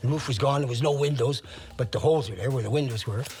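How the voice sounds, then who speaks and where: A man's voice, with ordinary pitch variation, is heard through noticeable background noise. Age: 70s. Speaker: former pilot and convicted drug trafficker. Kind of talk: documentary interview testimony.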